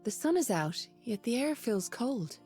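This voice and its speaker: An actress playing a gentle, thoughtful female mage in a fantasy game, speaking in a reflective way. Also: a little high, very animated, a little slow, breathy edge, soft background music, heavily acted. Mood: pensive, doubtful.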